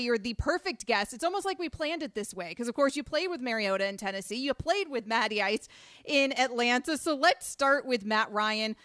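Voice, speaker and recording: A woman hosts sports talk radio in a brisk, upbeat, conversational manner. Her voice is smooth and clear, pitched a little high, and sounds close and dry on a studio microphone. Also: a bit bright, no echo. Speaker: radio host.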